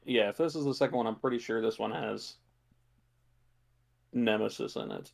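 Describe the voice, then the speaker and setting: A man co-hosting a casual film discussion in a low-key, laconic manner. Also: moderate pace, gravelly. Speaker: podcast co-host.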